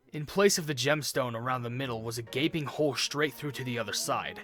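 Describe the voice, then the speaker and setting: With music in the background, the speech moves at a fairly quick pace. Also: man. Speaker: horror story narrator. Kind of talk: creepypasta horror narration.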